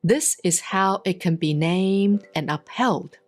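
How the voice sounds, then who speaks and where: A woman reads Buddhist scripture as a monastic, in a solemn, measured and deliberate scripted style with pauses between phrases. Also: fairly low pitch. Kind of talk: solemn scripted sutra recitation, audiobook-like reading. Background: soft plucked guitar-like music.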